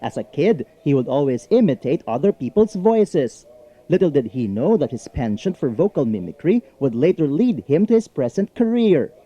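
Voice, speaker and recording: A man's voice: a little high, very animated, moderate pace, mellow, muffled recording. A man with a Filipino accent reading scripted narration as a TV news reporter.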